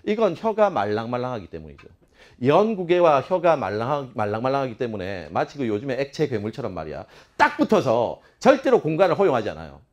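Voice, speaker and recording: A man teaching a lively classroom lecture, playfully sounding out speech sounds and firing teasing questions at his students. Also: medium pitch. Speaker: Korean language teacher.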